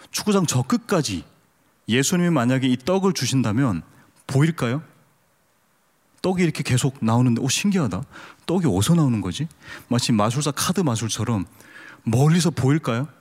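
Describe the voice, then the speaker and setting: A male pastor with a medium-pitched, slightly mellow voice preaches a humorous sermon, questioning the congregation and asking them to raise their hands. A long hall reverb colors the recording.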